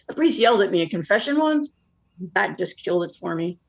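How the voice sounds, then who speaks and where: A woman playing a jilted, world-weary Catholic woman confessing in a one-act play, candid and rueful with deadpan asides. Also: mid-range voice, fairly quick, vocal fry. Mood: wry, reminiscing.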